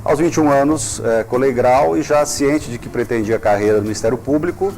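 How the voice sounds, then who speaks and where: A man, a prosecutor guest in a studio interview, speaking in a measured, formal way with frequent hesitations. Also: mid-range voice, a little mellow, faint music behind. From Brazil. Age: 50s.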